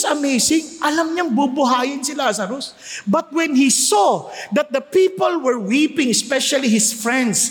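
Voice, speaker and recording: A man with a Filipino accent preaching a sermon, animated and joking with the congregation as he moves between Tagalog and English. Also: very high-pitched. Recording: long hall reverb.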